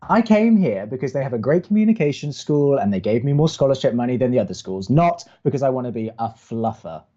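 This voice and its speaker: A man playing a reluctant college radio co-host in an audio romantic comedy, dry and exasperated, halting when flustered. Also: mid-range voice, very animated, dark tone, lo-fi sound.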